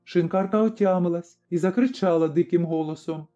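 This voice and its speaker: A male narrator reads a story in a measured, dramatic way, his voice fairly high yet mellow. The recording sounds a little dull, with faint music underneath. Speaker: audiobook narrator. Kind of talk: scripted narration.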